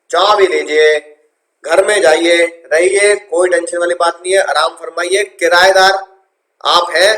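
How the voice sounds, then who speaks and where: A man's voice: high voice, fairly bright tone. A man teaching a tax lesson in a playful classroom style, repeating key terms and asking the class questions. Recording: echoey room.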